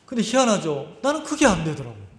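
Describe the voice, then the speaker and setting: In an echoey church sanctuary, a male pastor with a high voice and huge pitch swings preaches quickly and conversationally. He acts out scenes and asks the congregation questions.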